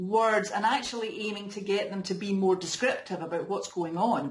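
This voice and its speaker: A Scottish accent marks this woman's speech. Her pitch is fairly high and varies in an ordinary way. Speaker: EFT practitioner. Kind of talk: interview.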